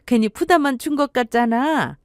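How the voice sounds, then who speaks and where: A woman voicing a kind, middle-aged future mother-in-law who fusses gently over her son's fiancée. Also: sits high, normal speed, smooth, no room sound, studio quality, pitched above the performer's own voice, lightly acted. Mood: fond teasing.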